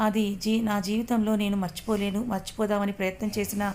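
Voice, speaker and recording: A tearful, self-blaming young woman in a storybook reading, voiced by a woman. The lines come fast and even, with little rise and fall. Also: mid-range voice, slight background noise, natural voice. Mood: grieving. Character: heartbroken young woman, Geetha.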